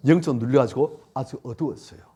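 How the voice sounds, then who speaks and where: A male pastor preaching a sermon, emphatic and repetitive, swinging between loud lines and hushed ones. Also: mid-range voice, fast, husky. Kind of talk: sermon at a church retreat.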